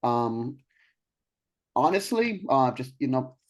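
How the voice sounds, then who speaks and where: Interview guest: young man from Israel, mid-pitched, hesitant and halting, full of pauses. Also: big pitch swings, a little mellow. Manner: hesitant, many ums and restarts. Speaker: guest, life coach. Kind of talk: casual interview talk.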